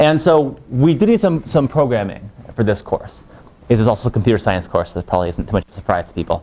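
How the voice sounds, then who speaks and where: With vocal fry and very wide pitch swings, a man talks at a fairly quick pace and medium pitch. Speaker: university lecturer. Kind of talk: lecture. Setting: classroom. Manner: fast.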